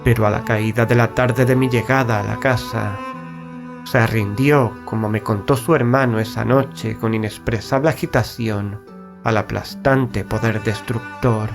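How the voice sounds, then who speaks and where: A man playing an uneasy, observant gentleman who narrates a gothic horror tale in a measured, solemn way. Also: lowish voice, steady tone, vocal fry. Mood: somber. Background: music.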